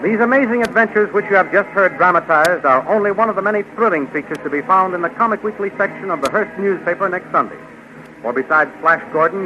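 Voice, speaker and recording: A man announcing and narrating a 1930s radio serial in a bright promotional manner, recorded on a dull old radio broadcast. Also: high-pitched, background noise.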